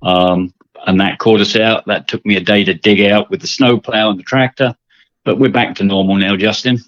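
A man's voice: fairly low pitch, fairly even intonation, normal speed, a bit bright, no room sound, muffled recording. An older man from England with an English accent, talking through his story as a guest with lots of fillers and repeated words. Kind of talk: casual interview.

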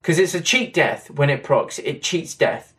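A man with a slightly hoarse, drying voice, chatting casually through game patch notes in a rambling way with many fillers. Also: a little high, animated, measured pace, a bit bright. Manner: rambling, repeats "that kind of thing", fillers. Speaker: game content creator.

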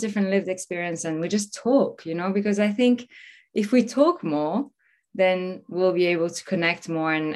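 French woman in her 30s, low voice, talks freely with lots of ums. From France. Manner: enthusiastic, storytelling, many fillers. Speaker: guest. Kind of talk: casual interview talk.

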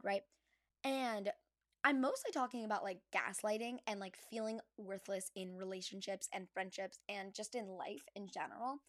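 A young woman hosting a casual solo podcast close to the mic, gushing and emphatic in a bubbly, informal sorority-girl manner. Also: mid-range voice. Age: young adult. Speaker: podcast host. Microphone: close podcast microphone.

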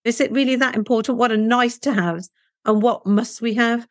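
A woman's voice: fairly high pitch, fairly even intonation, normal speed, dry recording, studio quality. Earnest woman posing rhetorical questions. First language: Punjabi. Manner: persuasive, asks rhetorical tag questions. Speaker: interview guest. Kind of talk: earnest conversational interview.

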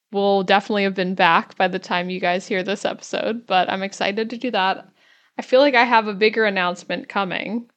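A woman's voice: mid-range voice, fairly bright tone. A woman co-hosting a podcast, chatting casually in an easygoing way and laughing often. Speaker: podcast co-host. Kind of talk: casual chat.

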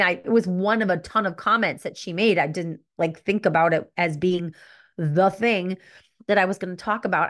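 A middle-aged woman hosting a solo podcast, telling a personal story candidly and reflectively, often stopping to correct herself. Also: fairly low pitch. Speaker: podcast host.

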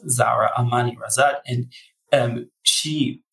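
A man's voice: mid-range voice, steady tone, a little slow, creaky, fairly bright tone. A man being interviewed as a psychology researcher, answering candidly with frequent ums and restarts.

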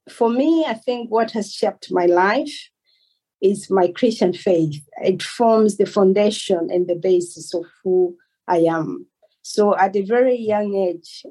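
A Malawian woman in her forties, a doctor answering interview questions in a measured, earnest way. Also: mid-range voice, mellow, breathy edge, rough recording. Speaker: guest, consultant doctor.

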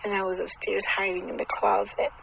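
A woman's voice: little pitch movement, fairly quick, gravelly, fairly bright tone, slight background noise, low-quality recording. A woman voicing a terrified older mother who shrieks for help and then recounts a nightmare. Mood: shaken. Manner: panicked, high and shrill when scared.

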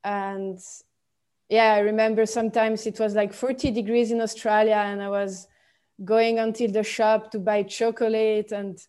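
A Swiss woman in her late twenties with a Swiss French accent, a podcast guest talking haltingly with many fillers and restarts. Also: medium pitch, flat delivery, a little mellow, smooth. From Switzerland. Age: 20s. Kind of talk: podcast interview.

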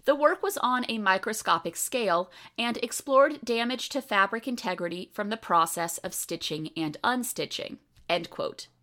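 An American woman hosts a podcast with an eager, upbeat delivery. Her voice sits in an ordinary middle pitch. She reads from a script before chatting over a video call. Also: animated, moderate pace, hardly any pauses, pushed and bright. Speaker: podcast host. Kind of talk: podcast interview with scripted intro.

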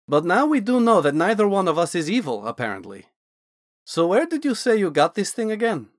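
A man voicing a curious, blithe male dragonborn scholar-mage who lectures in a brisk, lightly excited way. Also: high voice, no room sound, studio quality, pitched above the performer's own voice. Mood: eager.

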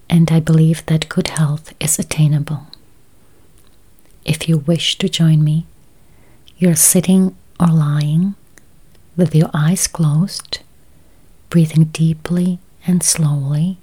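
A woman leading a guided meditation in a soft, breathy near-whisper, with calm, soothing, deliberate phrasing. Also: deep voice.

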